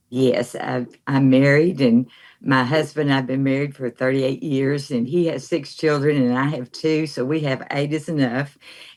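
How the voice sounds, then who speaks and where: The voice moves at a moderate pace in a flat monotone. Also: woman, very deep, low pitch for a woman. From southwest Arkansas. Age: 70s. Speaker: insurance agent. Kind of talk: interview testimony.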